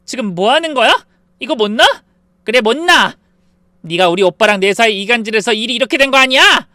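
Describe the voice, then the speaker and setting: A man's voice: extremely high pitch, expressive, normal speed, sharp tone, clear, resonant tone, no echo, studio quality, voice pushed up, exaggerated voice. A man voicing a spiteful young sister-in-law who shrieks and begs by turns. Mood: shrill fury.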